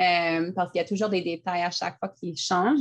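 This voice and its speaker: A woman speaks in a plain, everyday voice against a quiet background. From Quebec, Eastern Townships. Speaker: summer camp director. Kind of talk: casual interview. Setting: at the camp.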